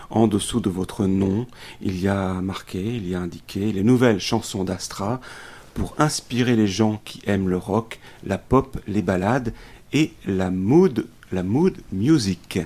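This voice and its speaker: A man hosting a conversational radio interview, forming his questions haltingly and repeating words as he goes. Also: fairly low pitch, a little mellow, slightly rough.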